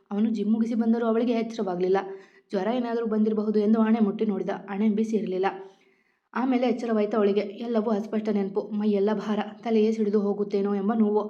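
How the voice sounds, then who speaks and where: A woman narrates a romance storybook in a steady, even reading voice at a middling pitch. The recording is dull and lo-fi.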